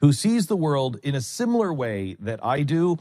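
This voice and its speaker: A man's voice: on the high side, very animated, moderate pace, dark tone, no room sound. A man introducing a guest in an enthusiastic way. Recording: dry studio with faint music.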